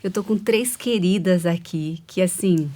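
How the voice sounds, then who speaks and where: A woman's voice: on the low side, measured pace. A woman hosting a Christian women's talk show, welcoming guests and affirming them often with short agreeing sounds. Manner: warm, affirming, frequent "uhum" backchannels.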